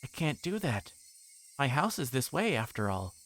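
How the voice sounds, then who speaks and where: A man's voice: medium pitch, sing-song, normal speed, a bit bright, pitched above the performer's own voice. A man voicing an eerie, insistent teenage girl from a visual novel, coaxing and accusing. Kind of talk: visual novel character read aloud.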